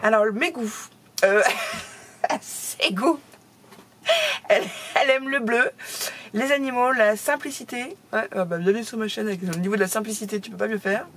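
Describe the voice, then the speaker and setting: A woman's voice: on the high side, normal speed, a bit bright, slight background noise. Chatty laughing woman vlogger. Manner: chatty, laughs often, exclaims. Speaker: craft YouTuber opening fan mail. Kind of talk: casual chat to camera.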